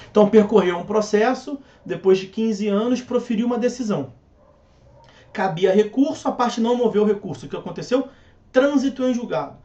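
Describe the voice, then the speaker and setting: A man's voice: sits high, dark tone, lo-fi sound. A man lecturing on civil procedure law in a conversational way, asking rhetorical questions and making jokey asides.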